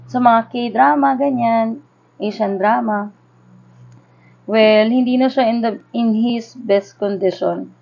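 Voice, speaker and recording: A Filipino woman in her thirties, with a slightly high voice and vocal fry, talks slowly and pauses often. She chats informally and nostalgically in Taglish while vlogging the unboxing of a collectible. The sound is dull and lo-fi.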